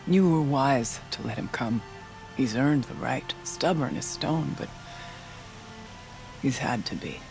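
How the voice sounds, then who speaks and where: An actor playing a solemn, devout tribal shaman in a video game, speaking in measured, formal, reverent phrases. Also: medium pitch, creaky, over music. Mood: pensive. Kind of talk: dramatic video game cutscene acting.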